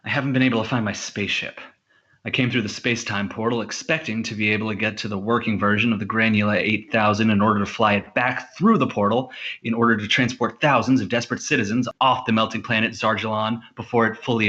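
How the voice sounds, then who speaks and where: Earnest, pompous spaceman, lowish forceful voice, stilted formal delivery, audio comedy. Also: fairly even intonation, quick pace, muffled recording. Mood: urgent, self-important. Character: earnest, pompous space hero lost at an Earth dance. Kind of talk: audio comedy drama acting.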